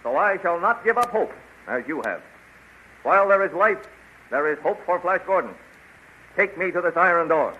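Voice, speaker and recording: A bold, commanding captain. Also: male voice, sits high, expressive, normal speed, pauses often. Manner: commanding, forceful declarations. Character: bold commanding male captain, defiant hero's ally. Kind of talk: 1930s radio drama acting. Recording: dull, hissy 1930s radio transcription.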